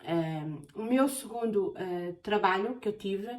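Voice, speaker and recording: A woman from Portugal with a European Portuguese accent, chatting casually in a question-and-answer vlog, often pausing on filler sounds. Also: mid-range voice, a little mellow. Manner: hesitant, many filler sounds. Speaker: vlogger. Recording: voice a bit far from the mic.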